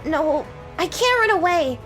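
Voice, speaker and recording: A woman voicing a hot-headed, flustered young woman knight in a visual novel game, loud and declamatory. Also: sits high, unhurried, music in the background. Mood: desperate.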